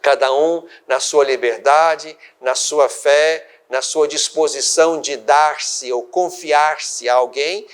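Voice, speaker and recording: An older Brazilian bishop delivers a reflective sermon, pacing each phrase slowly and deliberately. His voice sits a little higher than most men's, and he lets pauses settle between the clauses. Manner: slow, deliberate, measured phrasing. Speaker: bishop hosting a religious program.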